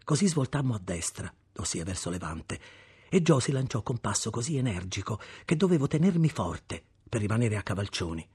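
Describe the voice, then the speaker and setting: Man reading a story aloud, super lively, husky rough voice. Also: lowish voice, a little fast. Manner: expressive, dramatic storytelling. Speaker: audiobook narrator. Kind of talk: scripted narration.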